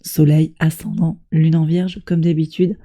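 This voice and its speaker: A woman with a hoarse voice from a cold, doing a tarot reading and gently encouraging her viewers. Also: deep voice, level tone, a little slow. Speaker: tarot reader.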